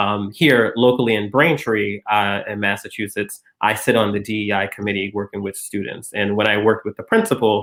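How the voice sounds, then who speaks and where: With a strong Brooklyn accent, a man talks at a fairly quick pace with hardly any pauses, his fairly low pitch held to fairly even intonation. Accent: thick Brooklyn. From Brooklyn, New York. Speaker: diversity and inclusion leader, panelist. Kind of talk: panel discussion.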